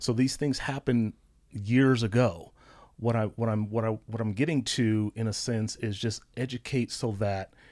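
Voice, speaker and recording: At a moderate pace and medium pitch, a man speaks with fairly even intonation on a very clean recording with a silent background. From North Las Vegas, Nevada. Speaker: outpatient operations manager at a treatment center. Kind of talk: interview answer. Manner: soft-spoken.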